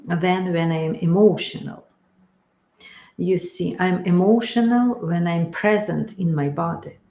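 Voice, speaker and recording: Slow, gravelly-voiced woman in an echoey room. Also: on the low side. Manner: slow, calm, pausing often with fillers. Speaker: spiritual teacher. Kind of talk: guided meditation talk. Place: room in a house. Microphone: webcam or phone camera.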